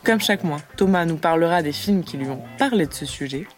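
Low-voiced woman hosting a radio show. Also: lively intonation, a little fast, faint music behind. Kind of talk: scripted radio presentation.

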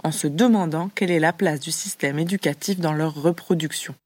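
A woman with a low voice hosts a radio show. She reads her presentation in a clear, measured manner, with faint music underneath. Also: a little mellow, no room sound.

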